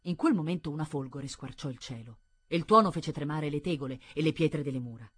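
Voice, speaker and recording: A woman narrating a literary audiobook in a measured, expressive manner. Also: low voice, slightly rough. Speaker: audiobook reader.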